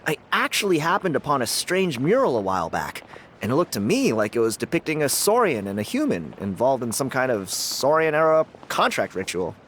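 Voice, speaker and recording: A man's voice: medium pitch, sing-song, brisk, slight background noise. A man voicing a cocky, friendly young tribal dancer in a video game, talking in an easygoing, boastful way. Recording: game audio with loud music underneath.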